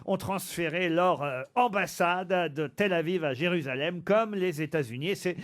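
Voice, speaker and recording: Playful high-voiced man hosting a radio quiz. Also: normal speed. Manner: playful, teasing. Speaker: quiz show host.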